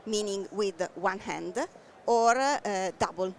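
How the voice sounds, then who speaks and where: Italian woman, non-native English, patient halting explainer, headset mic, faint background noise. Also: mid-range voice. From Italy. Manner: explains slowly with many fillers. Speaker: tech company guest. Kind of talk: trade show interview. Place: busy trade show floor.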